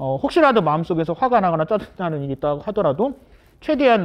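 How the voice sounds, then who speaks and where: A man speaks with lively intonation. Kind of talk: lecture. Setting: tent lecture for volunteers. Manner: loud.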